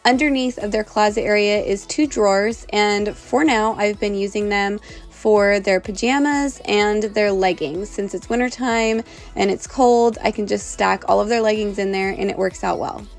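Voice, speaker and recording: A young woman and mother giving a relaxed, chatty vlog narration while showing things around her small home. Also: medium pitch, normal speed, faint music behind. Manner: chatty, relaxed, explaining as she shows things. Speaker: vlogger, mother of three girls. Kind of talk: casual organizing vlog narration.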